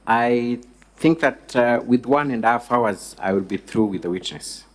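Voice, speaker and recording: Male counsel, Kenyan accent, average pitch, formal courteous examination in deliberate short phrases. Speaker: defence lawyer questioning a witness.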